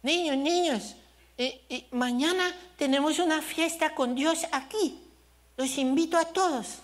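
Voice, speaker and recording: A man's voice: extremely high pitch, unhurried, pitched above the performer's own voice. A man voicing his small son, a little boy who barely talks yet, eagerly inviting other children.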